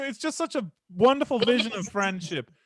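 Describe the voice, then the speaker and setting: A man with an English accent speaks at an extremely high pitch with lively intonation, recorded dry and close with no echo. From England. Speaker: comedy show host. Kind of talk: comedy crowd work.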